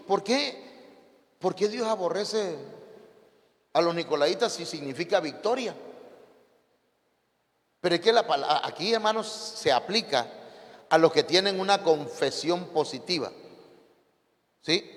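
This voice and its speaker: A man with a Mexican accent preaches with a fairly high voice, keeping the sermon lively by turning questions on his listeners. His voice rings through a church hall with a long reverb tail.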